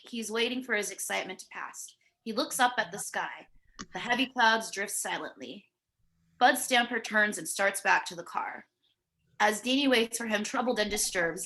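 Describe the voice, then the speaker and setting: A woman's voice: mid-range voice, moderate pace, sharp tone, low-quality recording. A woman narrating a screenplay, reading out scene headings and stage directions for a table read. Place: remote virtual table read.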